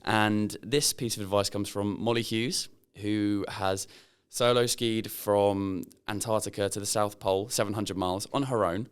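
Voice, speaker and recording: A man's voice: fairly low pitch, fairly even intonation, a little slow, few pauses, smooth. A man hosting a podcast, asking chatty, friendly questions in a casual interview. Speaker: podcast host.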